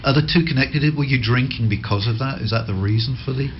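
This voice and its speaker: A man hosting a radio station interview in the studio, asking gentle, rambling questions with many restarts. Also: mid-range voice, fast talker, lo-fi sound, a little hiss or hum. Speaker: radio host.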